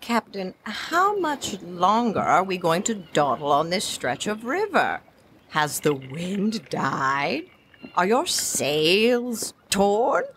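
A woman playing an impatient, imperious boat passenger, sharp-tongued and demanding, in an audio drama. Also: on the low side, sing-song, slow, a little hiss or hum, heavily acted.

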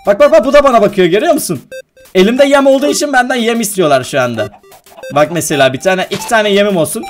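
A young man coaching his mother through a video game, laughing often and talking excitedly to his viewers. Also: sits high, fast talker, faint music behind. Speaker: gaming YouTuber. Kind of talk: casual gaming vlog, teaching his mother.

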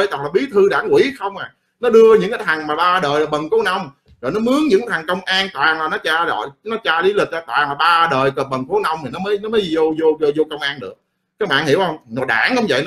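A middle-aged man rants about politics, blunt and often crude. His speech rambles and circles back on itself. He talks very fast in a slightly raised voice. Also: high voice, fairly bright tone. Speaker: political commentator. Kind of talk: casual political rant.

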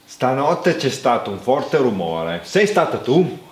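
A very animated man in his thirties with a medium-pitched voice talks slowly, joining a lip-reading game as a guest. The playful, casual chat happens in a living room at home with a staircase, captured in an echoey room with background noise.

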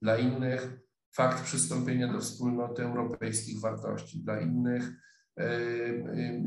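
Hesitant, thoughtful man in an echoey room. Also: medium pitch. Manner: thoughtful, hesitant, many fillers and restarts. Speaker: sociologist lecturer. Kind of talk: online lecture. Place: office room, indoors. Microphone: webcam video call.

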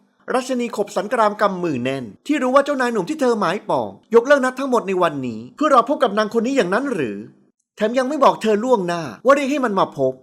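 Brief: woman narrator, lively expressive reading, slightly high voice, audiobook. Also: quick pace. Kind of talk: scripted narration.

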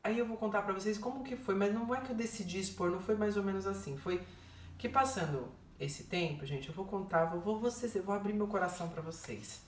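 A woman's voice: medium pitch, a little fast, roomy sound, distant mic, slight background noise. A woman telling a heartfelt personal story to her viewers, often repeating herself and calling out to them directly. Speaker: vlogger. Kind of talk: emotional personal testimony.

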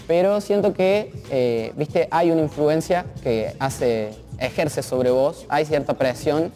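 A man's voice: fairly high pitch, takes it slowly, mellow, faint music behind. A man in his twenties with a Cordobese Argentine accent, chatting casually and reflectively, slangy and tentative as he searches for words. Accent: Cordobese Argentine Spanish. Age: 20s. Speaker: interview guest, freestyle rapper. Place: large art gallery, indoors.

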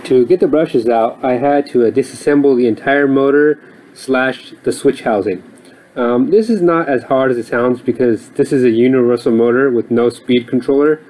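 A man's voice: mid-range voice, normal speed, a little mellow, low-quality recording. A man explaining a motor repair over his footage in a plain, explanatory way, with occasional fillers. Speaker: repair channel host.

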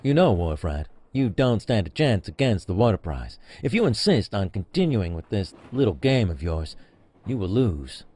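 A man plays a self-important spaceship captain in a parody radio sketch. His low voice swings widely, landing on words with melodramatic pauses as he nurses his envy. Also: very animated, a little mellow, slightly rough. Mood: defiant. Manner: melodramatic, halting dramatic emphasis. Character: pompous, envious male starship captain turned bowler, parody. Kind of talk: comic audio drama acting with log narration.

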